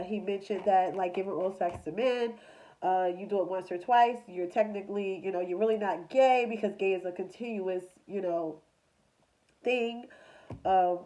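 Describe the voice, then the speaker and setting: A woman's voice: mid-range voice, dark tone, low-quality recording. Chatty congested woman reading tarot. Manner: chatty, loose, with frequent fillers. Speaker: tarot reader. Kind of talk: casual gossip tarot reading.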